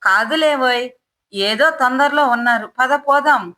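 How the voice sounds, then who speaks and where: A woman voicing a calm, reasonable husband who speaks in a soothing, persuading way. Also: high-pitched, measured pace.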